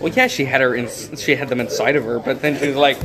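A young man in casual, crude banter with friends, quick and joking. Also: mid-range voice. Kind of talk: casual chat among friends. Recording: loud crowd noise behind.

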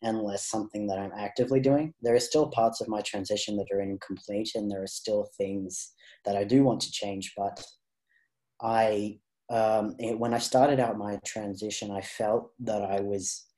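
A man's voice: on the low side, fairly even intonation, moderate pace, mellow, poor audio. A man sharing his personal story as a podcast guest, speaking thoughtfully with frequent restarts and fillers. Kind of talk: candid personal interview.

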